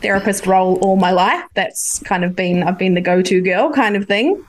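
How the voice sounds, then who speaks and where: A woman's voice: medium pitch, normal speed. A woman from New Zealand with a light accent between New Zealand and Australia, a hypnotherapist chatting openly and eagerly as a podcast guest. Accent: light New Zealand-Australian blend. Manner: open, enthusiastic, self-deprecating. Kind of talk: casual interview chat.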